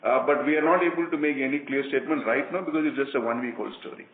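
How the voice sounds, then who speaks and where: Indian male executive on a roomy phone line. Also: medium pitch. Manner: measured, explanatory, often saying okay. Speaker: company executive answering investor questions. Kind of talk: earnings call answers. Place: conference call line. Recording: roomy, noisy, narrow phone-like conference line.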